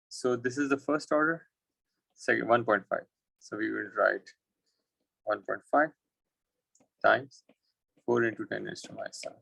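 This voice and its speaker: South Asian man tutoring, with a creaky voice. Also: mid-range voice, fairly bright tone, no echo, poor audio. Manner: informal, thinking aloud in short phrases. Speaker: physics tutor. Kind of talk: working through exam questions aloud.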